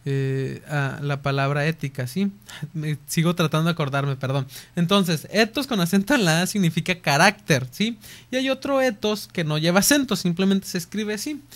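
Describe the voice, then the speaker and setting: A man giving an explanatory radio lecture on philosophy, pausing often to check in with his listeners. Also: on the high side. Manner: checks in with listeners by asking "¿sí?" after nearly every point.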